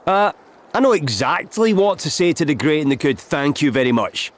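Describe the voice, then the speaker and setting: An actor with a Scottish accent playing a breezy, boastful noble-born traveller in a video game, chummy and bluff. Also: male voice, fairly high pitch, sing-song, moderate pace. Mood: indignant, boastful.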